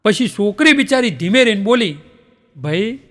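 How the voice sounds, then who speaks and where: Guy doing standup, pretty high voice, big echoey hall. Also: measured pace, very noisy. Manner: lively storyteller acting out characters' lines. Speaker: stand-up comedian. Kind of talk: stand-up joke telling. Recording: long hall reverb.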